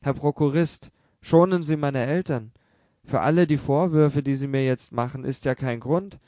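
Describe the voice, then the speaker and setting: A man voicing an anxious young salesman who rushes out pleading, flustered excuses. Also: medium pitch, dark tone, no room sound, studio quality, pitched above the performer's own voice, natural voice.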